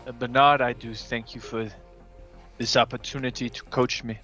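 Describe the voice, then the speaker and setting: A man playing a proud, curt arboretum keeper in a tabletop game, speaking formally and deliberately. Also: medium pitch, level tone, bright, forceful tone, soft background music, lightly acted. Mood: stern, threatening.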